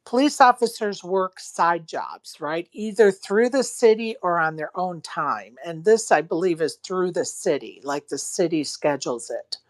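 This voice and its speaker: A woman's voice: on the low side, expressive, a little slow, few pauses, dry recording. A woman chatting casually and loosely, with conversational filler phrases. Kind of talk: casual chat in a live online audio room.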